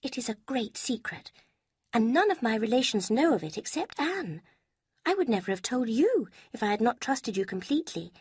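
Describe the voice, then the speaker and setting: A woman voicing a sly young woman who gushes secrets in a sweet, breathy way, with a husky tone. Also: fairly high pitch, sing-song, normal speed, darkish tone, voice pushed up, heavily acted. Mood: confiding.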